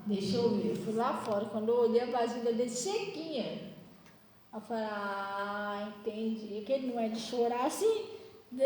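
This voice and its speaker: A woman's voice: high voice, slight background noise. A woman pastor preaching a sermon in a chatty, storytelling way to her congregation. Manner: conversational, animated storytelling to the congregation. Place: church hall. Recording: distant mic in an echoey church hall.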